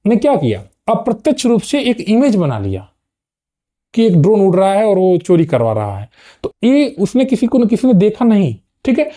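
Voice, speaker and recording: A young man lecturing to students with a fairly high pitch, while his tone stays very dark and mellow. He explains step by step, often checking in with a quick "okay" and restarting words as he goes. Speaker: teacher.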